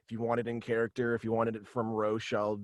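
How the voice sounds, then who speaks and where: A young man talking casually as an interview guest, in a halting, rambling way over a video call. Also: fairly low pitch, monotone, no echo, clean studio sound. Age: young adult. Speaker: guest, voice actor and podcast creator. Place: small room at home, video call.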